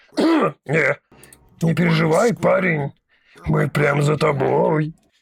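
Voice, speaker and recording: Using a raspy, put-on character voice, a man speaks at a fairly slow pace with a fairly high pitch. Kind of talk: comic dubbing. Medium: fan dub. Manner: hearty, commanding.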